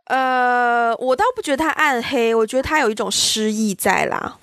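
A woman's voice: on the high side, moderate pace, fairly bright tone, dry recording, clean studio sound. A woman, co-hosting a casual podcast in a reflective conversational manner. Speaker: podcast co-host.

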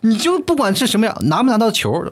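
A young man hosting a comic talk show, telling stories with animated delivery and acting out the people he quotes in a high voice. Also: fast. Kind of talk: stand-up style comic monologue.

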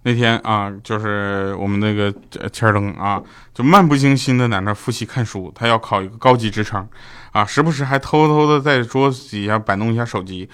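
A man's voice: lowish voice, fairly quick, fairly bright tone, smooth. A young man hosting a livestream, telling comic stories and laughing at his own punchlines. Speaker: livestream host. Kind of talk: comic storytelling monologue.

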